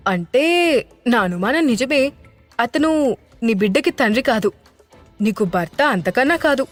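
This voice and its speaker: A woman's voice: a little high, lively intonation, moderate pace, no echo, soft background music. Mocking, teasing young sister, read by a woman narrator in an audio story.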